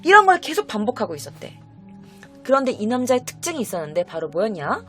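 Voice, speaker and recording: Animated woman telling a crime story. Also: on the high side, quick pace, faint music behind. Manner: animated, acts out quotes, addresses viewers. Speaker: true-crime storyteller, channel host. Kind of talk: casual true-crime storytelling.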